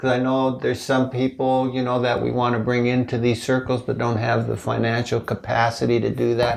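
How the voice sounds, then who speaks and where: A man's unremarkable speaking voice at a moderate pace, pitched medium. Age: 60s. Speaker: podcast host interviewing spiritual teachers. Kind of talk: casual interview.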